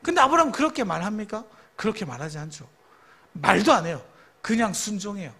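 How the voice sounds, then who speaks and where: A man's voice: sits high, sing-song, a little fast, pushed and bright, slightly rough. A man in his thirties, a youth pastor, preaching a sermon in a storytelling way and asking the congregation questions.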